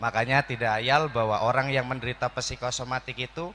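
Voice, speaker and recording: Fairly even in intonation and medium in pitch, a man talks at a fairly quick pace. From Cilacap, Central Java. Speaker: hypnotherapist and hypnosis instructor. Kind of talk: seminar lecture.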